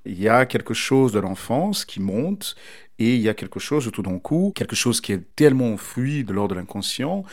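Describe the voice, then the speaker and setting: A man's voice: medium pitch, sing-song, moderate pace. Reflective man in his forties. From Mozambique. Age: 40s. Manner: thoughtful, circling back to rephrase ideas. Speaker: interviewee. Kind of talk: reflective interview answer.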